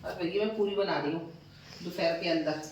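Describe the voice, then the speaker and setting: A woman's voice: fairly low pitch, normal speed, dull audio, a little hiss or hum. A young woman vlogging her day to a handheld phone camera, chatting with viewers she keeps calling "friend". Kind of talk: casual daily vlog chat. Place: out and about, later at home kitchen.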